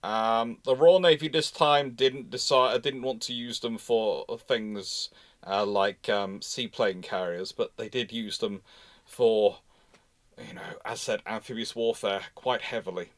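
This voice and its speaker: A man's voice: on the low side, unhurried. A man hosting a casual live question-and-answer talk, often breaking off and restarting as he speaks. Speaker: host of a naval history livestream.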